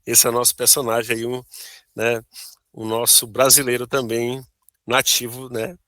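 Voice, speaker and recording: A Brazilian man with a bright, forceful voice walks through his board game design, stopping to check in with "né?" and "tá bom?". The sound is dry and close, with no room around it. It comes across as a video call. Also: mid-range voice, flat delivery, moderate pace, dry recording. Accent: Brazilian Portuguese. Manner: explains with frequent "né?" and "tá bom?". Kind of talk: casual interview chat.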